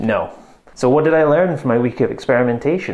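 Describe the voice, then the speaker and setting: A man with a Scottish accent at a fairly quick pace. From Scotland. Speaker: cooking YouTuber. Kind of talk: casual vlog talk to camera. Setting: home kitchen. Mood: wry, exasperated conclusion. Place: kitchen. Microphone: lapel.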